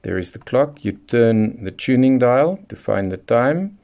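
A man's voice: medium pitch, animated, a little slow, gravelly, dark tone. A man presenting a hands-on product tutorial, explaining things methodically, step by step. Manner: methodical, instructional. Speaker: presenter of a radio how-to guide.

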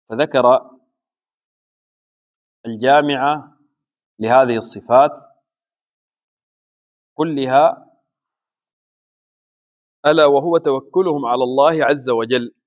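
A man explaining a religious text in a slow, deliberate teaching style with frequent pauses. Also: mid-range voice, a little mellow. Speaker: Islamic scholar teaching a book. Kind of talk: measured religious lesson.

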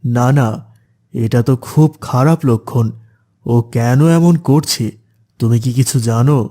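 A man voicing a calm, instructive male religious teacher in a cartoon. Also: mid-range voice, unhurried, lightly acted.

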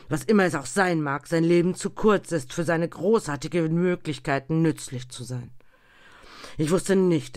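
Reader putting on a tormented old ghost man dragging chains, loud and wailing, dead dry sound. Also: mid-range voice, no room sound, natural voice. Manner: loud, pleading declamation with sudden whispers. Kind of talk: audiobook reading.

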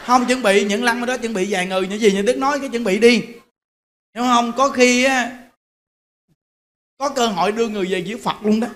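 Man, Buddhist monk, sermon, animated, exhorting, bright tone. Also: very high-pitched, fairly quick, long pauses, slight background noise. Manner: animated, exhorting the audience, direct.

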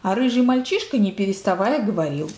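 A woman reading a children's book aloud in a lively storytelling manner, in a roomy space. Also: mid-range voice, fairly quick. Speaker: reader. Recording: roomy echo.

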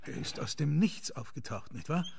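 An actor playing a genial, concerned gentleman lawyer with a formal, measured manner in a German radio drama. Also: fairly high pitch, animated, creaky, a little hiss or hum. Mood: earnest concern.

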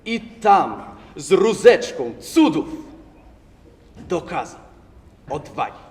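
Young man declaiming verse, lively pitch. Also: takes it slowly. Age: young adult. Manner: expressive, swelling declamation. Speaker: recitation contestant. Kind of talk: dramatic verse recitation. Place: large hall, stage. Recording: echoey hall from far off.

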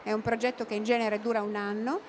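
A woman's voice: fairly high pitch, flat delivery, quick pace, slight background noise. A middle-aged woman answering interview questions at an expo booth into a handheld mic, with many fillers and restarts. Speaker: interviewee, cooperative representative. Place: expo booth studio, indoors.

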